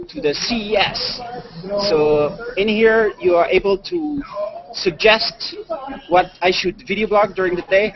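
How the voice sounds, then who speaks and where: A high-pitched man chats loosely into a head-mounted mic as he walks, full of fillers and restarts. The stream sounds dull and lo-fi. A loud crowd murmurs behind him. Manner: chatty, many fillers and restarts. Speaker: video blogger. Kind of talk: casual live-stream chat. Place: walking through a busy convention and monorail. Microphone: head-mounted display mic.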